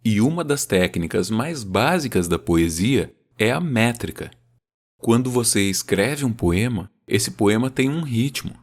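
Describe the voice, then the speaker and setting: A man hosting a podcast, explaining poetic rhythm in a relaxed, teacherly way and slowing down to stress the beat of his examples. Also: mid-range voice. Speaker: podcast host. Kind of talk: casual explanatory talk about poetry.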